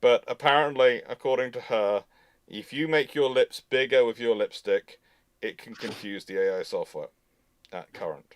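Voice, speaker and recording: A man's voice: mid-range voice, moderate pace, clear, resonant tone, dry recording. A man hosting a livestream, chatting casually in a rambling, digressive way. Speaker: live stream host.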